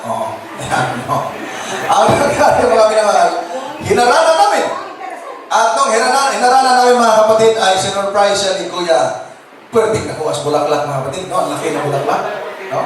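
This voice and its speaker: A male pastor gives a humorous sermon, joking with the congregation, laughing often, and dropping English words into his talk. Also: sits high. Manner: jokes with the crowd and laughs often; keeps addressing the listeners as brothers and sisters. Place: church. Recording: very echoey church from a distance, noisy.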